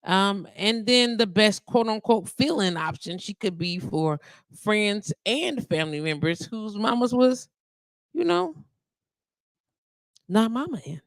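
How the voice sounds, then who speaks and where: A woman's voice: mid-range voice, animated, measured pace, no room sound. Chatty woman radio host, dry sound. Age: 40s. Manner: chatty and rambling, with asides and laughs. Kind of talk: casual live radio monologue.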